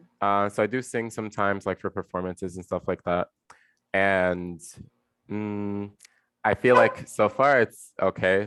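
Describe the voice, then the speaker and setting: A man's fairly low voice at a moderate pace, with fairly even intonation, a quiet background, and a dry, close sound with no echo. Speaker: voice student. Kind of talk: casual chat.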